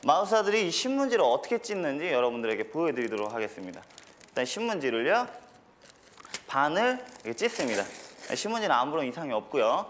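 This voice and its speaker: A man on a comedy stage presenting a mock magic routine with deadpan, mock-serious asides. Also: a little high, fast talker. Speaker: comedian doing a magic act. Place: TV studio stage with audience. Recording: stage audience and room noise.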